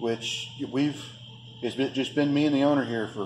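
A man talks with fairly even intonation. There is light background noise. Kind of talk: casual vlog chat. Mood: relaxed, matter-of-fact. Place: garage.

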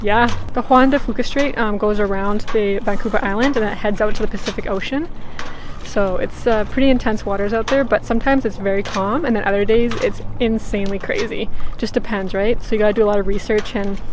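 Noticeable background noise runs under a dry sound with no echo. A woman speaks at a very fast pace with fairly even intonation. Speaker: sailing vlogger. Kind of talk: casual vlog chat. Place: boat. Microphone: phone near.

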